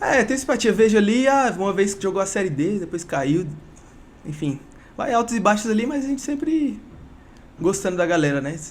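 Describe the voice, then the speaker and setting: Audible room echo surrounds a man's high voice as he speaks at a fairly quick pace, with very wide pitch swings and long, frequent pauses. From Bahia, Brazil (Vitória da Conquista). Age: 20s. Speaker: medical student, former prep-course student. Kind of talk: casual podcast interview.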